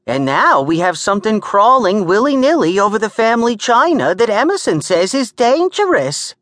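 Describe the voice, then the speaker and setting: Male narrator as aging New York woman, raised shrill pitch, bossy, complaining, swooping delivery, storybook character. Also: big pitch swings, moderate pace, dry recording, clean studio sound. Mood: scolding. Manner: sharp, scolding, exasperated. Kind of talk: audiobook character acting.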